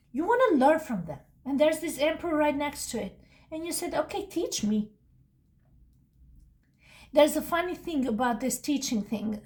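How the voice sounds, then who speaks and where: A tarot reader with a non-native English accent gives a casual, rambling reading full of restarts and asides. Her voice sits high and sounds a little mellow.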